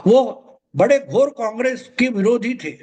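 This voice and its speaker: An older man with a mother tongue talks alone on camera in a very high voice. He drives home each point emphatically and says it again for weight. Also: expressive, a little slow, darkish tone. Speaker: political commentator. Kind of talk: solo political commentary.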